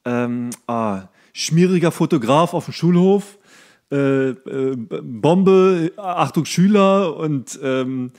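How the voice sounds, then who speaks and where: A man's voice: fairly high pitch, takes it slowly, a little mellow. A man hosting a podcast in a casual, rambling chat, often searching for his words. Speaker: podcast host.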